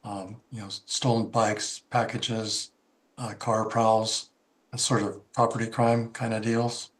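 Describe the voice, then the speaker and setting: A man's voice: on the low side, level tone, slow. Rambling man giving public comment. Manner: rambling, many fillers. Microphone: video call.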